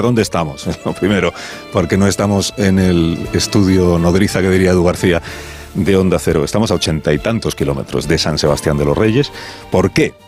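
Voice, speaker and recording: Deep-voiced male radio host, chatty and teasing, broadcasting live outdoors. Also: darkish tone. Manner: chatty, playful, self-interrupting. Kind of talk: live radio talk and interview. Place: village square outdoors.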